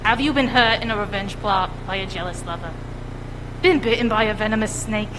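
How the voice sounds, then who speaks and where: A woman as a salesy mock-ad pitchwoman. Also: fairly quick, natural voice. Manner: salesy, upbeat pitch delivery. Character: brisk female legal-aid pitchwoman. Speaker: stage actor. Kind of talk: mock TV commercial. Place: high school auditorium stage. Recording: echoey auditorium, faint noise.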